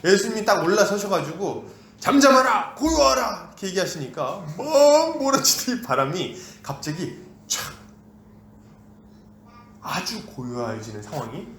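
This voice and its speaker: A man preaching in a church with a high, very lively voice that swings widely in pitch. He acts out voices as he tells the story. The sound is echoey, with faint noise behind it. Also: moderate pace. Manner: animated, acts out voices of disciples and Jesus. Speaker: pastor. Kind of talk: sermon. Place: church sanctuary.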